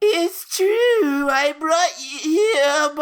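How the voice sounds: A whiny, high-pitched put-on character voice.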